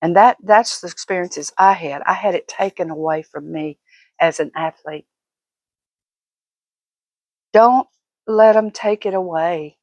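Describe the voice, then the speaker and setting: A woman's voice: on the low side, unhurried, long pauses, a little mellow, no echo. An older woman vlogger talking casually and giving opinions in an emphatic, folksy, fussing manner.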